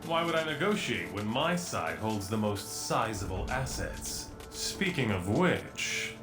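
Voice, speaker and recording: A scheming, businesslike villain in a video game. He is smugly courteous and talks down with animated, swinging intonation. Music plays behind the echoing voice. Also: on the low side, a little slow. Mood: smug mockery. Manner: mocking, mannered politeness. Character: smug male villain, businesslike, condescending and scheming.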